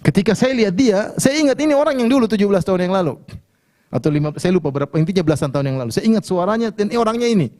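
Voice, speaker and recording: A man preaching in a storytelling way, animated as he tells the tale and voices the people in it. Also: sits high, very fast. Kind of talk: storytelling religious talk.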